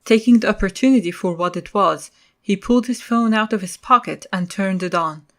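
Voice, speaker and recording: A woman's voice: mid-range voice, brisk. A woman reading scripted third-person story narration for an audio drama.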